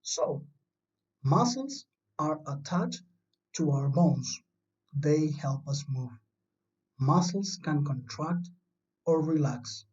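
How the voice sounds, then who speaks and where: A lesson recorded remotely for young children features a Chilean primary science teacher with a slow, mellow, medium-pitched voice and lively intonation. The manner is patient and reassuring, the explanations simple, and the home recording distant, dull and lo-fi.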